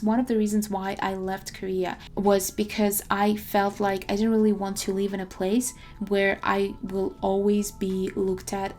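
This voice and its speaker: A young woman from Russia whose native language is Russian speaks in a mid-pitched voice with plenty of vocal fry. She is articulate and measured, presenting points to camera like a prepared video commentary. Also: a little mellow. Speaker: language-learning video creator.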